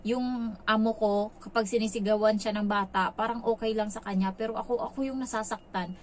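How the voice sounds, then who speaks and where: A woman from the Philippines talks straight to her viewers in a loose, rambling vlog, stopping often on filler words. Her voice sits in a middle pitch and she speaks frankly. Faint noise hums behind her. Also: steady tone, rough recording. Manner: rambling, conversational, many filler pauses. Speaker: domestic helper and vlogger. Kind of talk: casual vlog talk to viewers.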